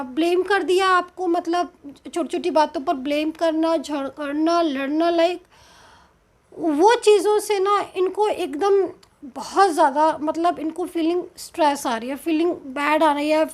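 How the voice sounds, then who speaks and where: High-voiced woman giving a slow tarot reading. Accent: Indian. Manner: slow, hesitant, explanatory, with many fillers. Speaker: tarot card reader.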